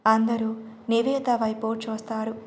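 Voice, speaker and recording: A woman's voice: a little high, flat delivery, normal speed, slight background noise. A woman reading a romance audio story aloud as narrator. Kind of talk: scripted narration.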